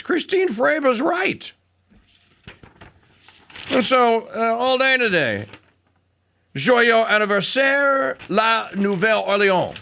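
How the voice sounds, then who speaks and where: A man's voice: creaky, slight background noise. A middle-aged man from Louisiana, hosting a casual talk radio show, rambling and digressive with lots of fillers and restarts. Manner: animated pitch swings.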